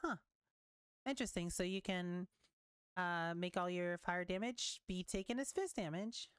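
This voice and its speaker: A young woman giving casual commentary while reading patch notes, chatty and quick to react, swearing now and then, her voice wearing thin. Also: fairly low pitch, clean tone, dry recording, clean studio sound. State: losing her voice. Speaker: gaming content creator.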